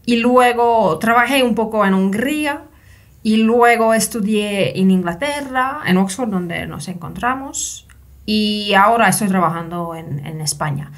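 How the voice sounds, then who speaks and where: Brief: woman from Finland, interview guest, mid-pitched, careful and self-correcting. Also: lively intonation, a little slow. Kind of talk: conversational interview.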